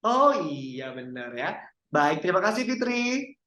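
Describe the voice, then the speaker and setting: A man's voice: on the high side, measured pace. A man teaching public speaking in an interactive lesson, coaching and quizzing a participant. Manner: lively, coaching, asks the audience questions. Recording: roomy echo.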